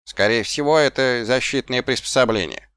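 A man's voice: moderate pace, clean tone, dry recording, studio quality, natural voice. A man reading an audiobook, voicing a scruffy, sly, workshy male corporal in a raised voice. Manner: higher, lively, wheedling. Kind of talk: audiobook character voice.

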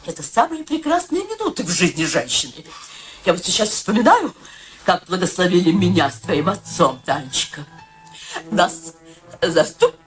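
A woman's voice: on the low side, sing-song, normal speed, soft background music. An actress playing an elderly, sentimental, pushy mother in a radio drama, talkative and solemnly theatrical. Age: older. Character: ailing, sentimental, pushy elderly mother matchmaking her daughter. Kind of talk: stage-like Russian radio drama acting.

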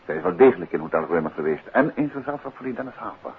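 An actor playing an urbane, confident amateur detective in a 1950s Dutch radio play, with a Netherlands accent. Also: male voice, sits low, animated, racing. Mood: wry, relaxed. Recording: muffled noisy 1950s radio recording.

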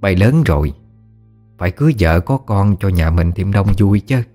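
A man's voice: low voice, expressive, moderate pace, dark tone, faint music behind. A man with a Southern Vietnamese accent voicing an elderly rural widowed mother who fusses and scolds affectionately. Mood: coaxing. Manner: homely scolding, folksy exclamations.

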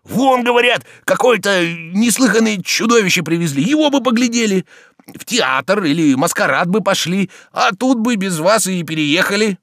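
A man's voice: on the high side, very animated, a little fast, fairly bright tone, no room sound, studio quality, voice pushed up. A man reading an audiobook voices a timid, grumbling old manservant who mumbles and pleads. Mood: plaintive.

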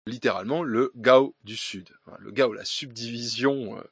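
A man's voice: medium pitch, normal speed, vocal fry, fairly bright tone, slightly rough, dry recording, studio quality. A man hosting a podcast, reading listener letters aloud with hesitant fillers, restarts and ironic asides. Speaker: podcast host.

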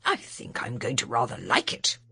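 A woman doing the new Doctor, low and amused. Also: sing-song, normal speed, creaky, sharp tone, slightly rough, no room sound, exaggerated voice. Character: young man, the new Doctor, calm, gently mocking.

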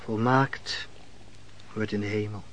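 An actor playing a calm, philosophical host who defers to his lord in a radio play, speaking in a measured, formal way. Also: on the low side. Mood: grave, reflective. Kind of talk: theatrical Dutch radio play acting. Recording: faintly noisy old radio play recording.

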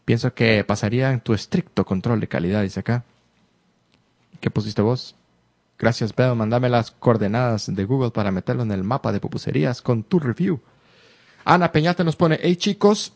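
A man with a Salvadoran accent co-hosts a relaxed podcast and reads listener comments off a screen. He throws in playful English phrases. His voice sits in a mid range and sounds close and dry, with no room echo. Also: mid-range voice, normal speed. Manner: joking, drops English phrases. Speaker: podcast co-host. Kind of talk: casual chat, reading listener comments.

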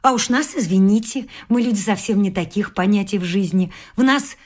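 A woman's voice: mid-range voice, brisk, a little mellow, natural voice. An actress in a radio play voicing a domineering, grasping middle-aged mother-in-law who scolds emphatically and haughtily. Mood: haughty, offended. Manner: scolding, emphatic nagging with whispered scorn. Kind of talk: theatrical radio drama acting.

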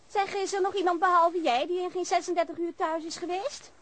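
A woman's voice: extremely high pitch, fairly even intonation, a little fast, fairly bright tone. An actress playing a policeman's frank wife in a naturalistic radio drama, sardonic, playful and outspoken, teasing and eager by turns. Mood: sarcastic, indignant.

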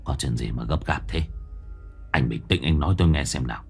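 Man doing stern old ritual master, very deep, hushed and measured, husky. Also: faint music behind, heavily acted. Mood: calm, puzzled. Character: elderly male ritual master, calm and stern.

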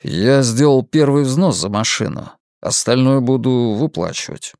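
A young rock-singer son, voiced by a male narrator, defensive and drawn out as he answers. The voice sits at a medium pitch and is recorded close and dry, with no room sound. It reads as an audiobook dialogue. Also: lively intonation, a little slow, a little mellow, no room sound. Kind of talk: audiobook character voice.

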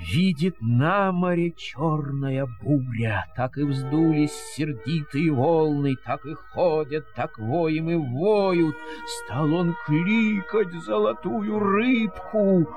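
Slow, theatrical male storyteller over music. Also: on the high side, lively intonation, darkish tone. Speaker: narrator. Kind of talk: expressive fairy-tale narration in verse.

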